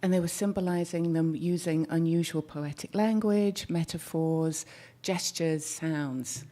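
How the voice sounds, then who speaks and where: A soft-spoken woman, a therapist, presenting a talk to an audience through a microphone. She speaks thoughtfully and sometimes restarts as she searches for words. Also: deep voice, fairly even intonation, measured pace. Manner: soft-spoken, leans in to the mic.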